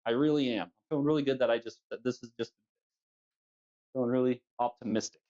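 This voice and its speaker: A man's voice: medium pitch, quick pace, dark tone, lo-fi sound. A man hosting a casual livestream while tinkering, with a jokey manner and frequent easy laughter. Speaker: livestream host. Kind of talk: casual chat while working on bikes. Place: basement room at home.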